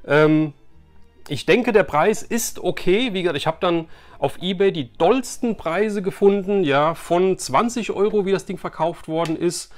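A man's voice: high voice, unhurried, soft background music. A man in his forties chatting casually and animatedly to the camera as a host of a collectors' video channel. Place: small furnished room lined with collectible shelves, indoors.

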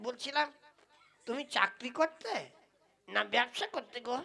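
A woman playing a nosy, teasing questioner in a comic puppet play, inquisitive and deliberate. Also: on the high side, expressive, gravelly, bright, forceful tone, exaggerated voice. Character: nosy, teasing questioner quizzing a dying man.

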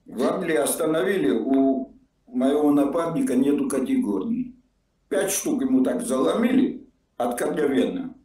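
A man's voice: mid-range voice, expressive, moderate pace, warm tone. An older man in a blunt, mocking casual argument over a video call, swearing freely. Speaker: video chat stranger. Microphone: remote video call audio. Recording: distant echoey video call.

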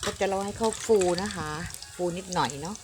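A woman's voice: medium pitch, brisk. An older woman, chatting to viewers while she demonstrates a home recipe and coaxes a grandchild to eat. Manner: chatty, addresses viewers, coaxes a child between steps. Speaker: home cooking vlogger. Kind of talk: casual cooking demonstration. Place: home kitchen. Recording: noisy frying sizzle behind. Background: oil sizzling in a pan.

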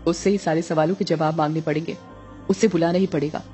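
Brief: a commanding witch mother for a horror audio story, read by a woman, mellow tone with faint music behind. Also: on the low side, a little fast, close to an everyday voice. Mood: low scheming. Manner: scolding, commanding. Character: scheming middle-aged witch mother, stern and bossy.

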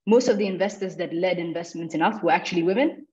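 A woman's voice: on the low side, fast, a little mellow. A young adult woman founder reflecting on her fundraising, speaking on a video call from a home office with frequent fillers. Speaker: startup founder. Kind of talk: panel discussion on a video call. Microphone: video call with earbuds. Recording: dull lo-fi video call audio.

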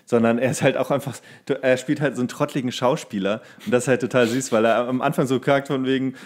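A man's voice: mid-range voice, steady tone, fast. Rambling man in casual podcast chat. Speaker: podcast co-host. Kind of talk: casual chat about films.

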